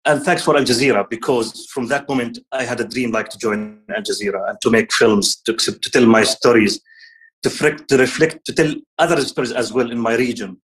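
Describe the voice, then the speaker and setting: A man's voice: mid-range voice, steady tone, fairly bright tone, rough recording. Earnest Palestinian man on a video call. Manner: earnest, halting, restarts words; gestures with hands while talking. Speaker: guest speaker. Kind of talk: online ceremony remarks.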